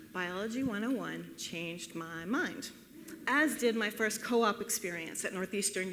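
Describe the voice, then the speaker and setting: A woman with a medium pitch talks at a moderate pace, and audible room echo follows her words. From New England. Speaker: patient advocate speaker. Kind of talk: conference talk.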